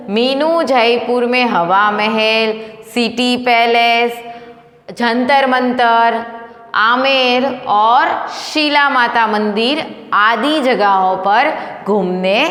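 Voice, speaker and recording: A woman's voice: a little high, fairly bright tone. A woman teaching a primary school Hindi class, patiently asking questions and answering them herself. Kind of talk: recorded online class lesson. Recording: echoey room with long reverb.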